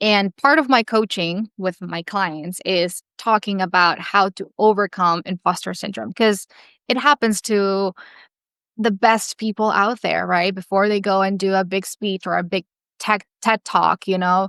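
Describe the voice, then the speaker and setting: In a Mexican accent, a woman with a medium pitch and ordinary pitch variation speaks at a fairly slow pace, her sound dry and close with no echo against a quiet background. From Mexico. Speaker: career coach. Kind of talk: podcast interview.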